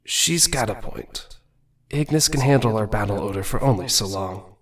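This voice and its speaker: A man playing an awkward, self-doubting young prince musing to himself in a fan audio drama, with a husky voice. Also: on the low side, expressive, moderate pace, far from the mic. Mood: casual. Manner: casual, introspective musing.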